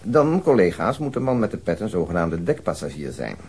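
Observant detective, measured and precise, fairly low pitch, radio crime drama, slightly noisy recording. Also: male voice, very animated, darkish tone. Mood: assured, explanatory. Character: observant, methodical male detective explaining deductions to colleagues. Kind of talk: Dutch radio drama acting.

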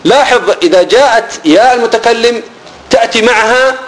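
A man with a high voice explains grammar step by step, posing a question and then answering it himself. He repeats the key words and lets each answer drop low and soft. A faint background noise runs under the recording. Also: fairly quick, low-quality recording. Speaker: grammar teacher. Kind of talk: explaining Arabic grammar lesson.

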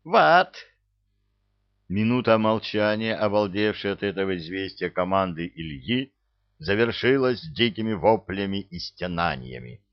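A man reading a story aloud in an expressive audiobook narration. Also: lowish voice, moderate pace. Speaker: audiobook reader. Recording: dull lo-fi audio.

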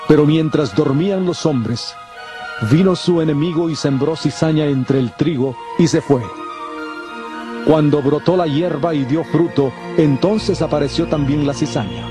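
An actor playing a calm, solemn male teacher of parables in a dramatized scripture audio, speaking in a measured, deliberate way. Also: fairly high pitch, close to an everyday voice. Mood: storytelling. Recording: constant prominent music under the voice. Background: music.

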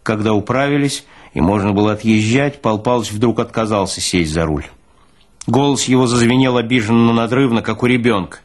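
Expressive male literary narrator, medium pitch.

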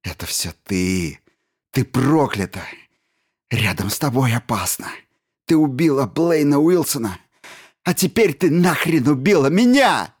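A man's voice: a bass voice, lively intonation, takes it slowly, gravelly, slightly rough, pitched below the performer's own voice, full character voice. A man voicing an injured male astrophysicist who groans and screams in pain. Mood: screaming agony.

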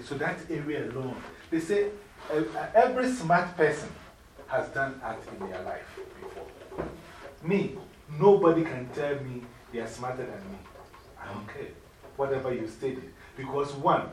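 Woman, Ghanaian accent, lively classroom lecture, faint room noise behind. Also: very deep voice. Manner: lively, preachy, laughs easily, repeats "you see". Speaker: mentor speaking to youth. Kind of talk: informal classroom talk. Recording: echoey room from far off.

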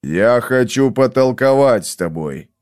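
A man voicing a sullen, menacing scarred brute who growls slowly. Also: medium pitch, lively intonation, a little mellow, smooth, natural voice. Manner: growling, slow and threatening.

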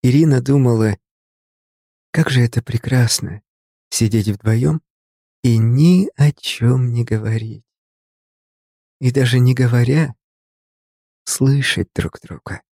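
A man reading a novel aloud as an audiobook narrator, calm and measured. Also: medium pitch, gravelly, no echo, clean studio sound.

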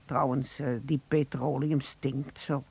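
In a radio play, an actress gives an exaggerated performance as a poor, grateful, chatty old mother-in-law at a phone booth, her voice rumbling low, husky, dark and level with vocal fry and no echo. She speaks hesitantly and haltingly, chuckling in a cosy, chatty mood. The sound is narrow and telephone-like, typical of an old radio recording.

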